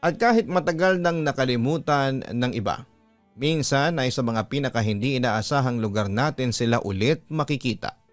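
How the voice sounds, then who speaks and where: A man's voice: mid-range voice, normal speed, dry recording. A man with a Filipino accent, a radio-style host reading a listener's letter aloud as scripted dramatic narration. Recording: music bed behind voice. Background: background music.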